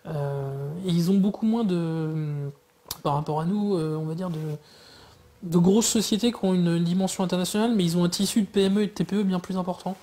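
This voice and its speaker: A man talking through politics in a casual discussion, pausing often with fillers and restarts. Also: high voice, warm tone. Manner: hesitant, many fillers and restarts. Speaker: guest commentator.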